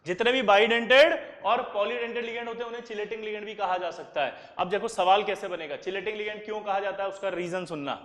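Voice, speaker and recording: Man, chemistry teacher, high voice, classroom lecture, call-and-response drilling, long echo. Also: a little fast, hardly any pauses, a bit bright. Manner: drills students with repeated questions and answers. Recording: echoey classroom with long reverb.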